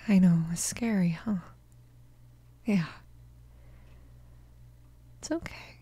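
Young female mafia boss, acted by a woman, ASMR roleplay, husky, breathy half-whispers, protective, tender, commanding. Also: mid-range voice, drawn-out words, warm tone. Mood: tender, reassuring.

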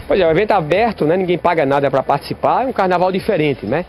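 High voiced pastor guy from paraiba, calm and explaining, live tv interview w handheld mic. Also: soft background music. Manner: measured, explanatory, inviting. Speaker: pastor and event organizer. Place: outdoor event venue under a large tent roof. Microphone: handheld reporter microphone.

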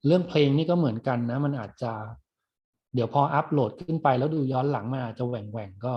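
A man's voice: mid-range voice, brisk, lo-fi sound. A middle-aged man giving a recorded university class lecture, chatting loosely with many fillers and restarts.

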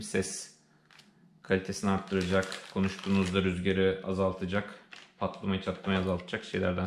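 Turkish guy doing a casual unboxing, kinda creaky voice, thinking out loud, echoey living room. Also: low-pitched. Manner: unscripted, hesitant, thinking aloud. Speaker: unboxing presenter. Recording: roomy, echoey sound with faint noise.

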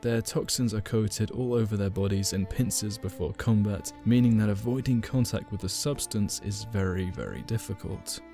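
A man's voice: on the low side, normal speed, few pauses. A man narrating a video game lore explainer in a casual way, adding dry joking asides. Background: faint game soundtrack music.

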